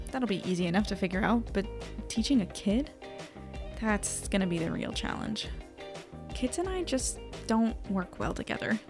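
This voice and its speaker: A woman's voice: mid-range voice, natural voice. A woman playing an anxious, self-doubting young newspaper editor, narrating and chatting wryly in an audio drama. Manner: wry, melodramatic, conversational. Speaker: narrator and lead character.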